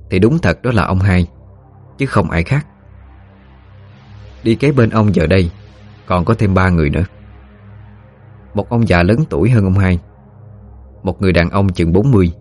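A man's voice: sits low, a little mellow. A man narrating a humorous, folksy audio ghost story.

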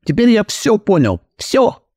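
Hysterical, self-pitying plump young man, wailing and sobbing, high and swooping in pitch, with a gravelly edge as a male reader voices him. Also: huge pitch swings, unhurried, a little mellow, no echo, studio quality, exaggerated voice. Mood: agitated.

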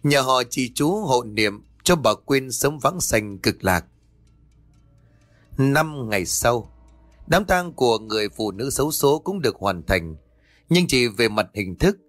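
A man calmly narrating a ghost story in a steady, measured way. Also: medium pitch, no echo. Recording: dry voice over faint music.

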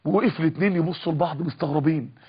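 Fast husky Egyptian preacher. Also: male voice, a little high, muffled recording. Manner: dramatic, quick narration. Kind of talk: dramatic sermon storytelling.

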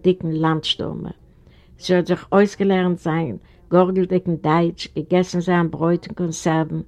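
A woman from Eastern Europe reading a novel aloud in a steady, deliberate way. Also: lowish voice, creaky. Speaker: audiobook reader. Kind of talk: storybook narration.

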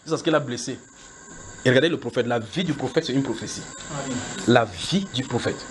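A man preaching a sermon who retells scripture as a film, with lively, joking storytelling. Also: mid-range voice, brisk, slight background noise. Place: church.

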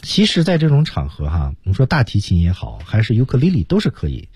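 A man's voice: lowish voice, wildly swooping pitch, fast talker, a little mellow, slightly rough, no echo, clean studio sound. A man teaching English pronunciation on a radio lesson, modelling phrases and chatting with his co-host.

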